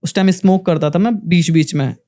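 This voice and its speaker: A man's voice: high voice, a little fast, warm tone. A young man earnestly telling a personal paranormal story in a podcast interview, recounting events in vivid detail. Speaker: paranormal investigator guest.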